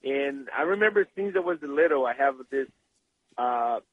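A man from Brazil with a Brazilian Portuguese accent, a guest in an interview, talking eagerly with many halting restarts. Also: medium pitch, lively intonation, husky, dry recording. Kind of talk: interview over phone. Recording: tinny phone line.

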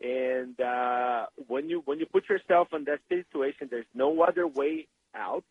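A man from Brazil with a Brazilian Portuguese accent, a guest in an interview, talking eagerly with many halting restarts. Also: medium pitch, husky, no room sound. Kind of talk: interview over phone. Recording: tinny phone line.

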